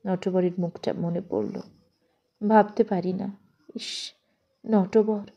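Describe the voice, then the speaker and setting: A woman narrating a literary audio story in an expressive, measured, dramatic way. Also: mid-range voice, gravelly, lo-fi sound.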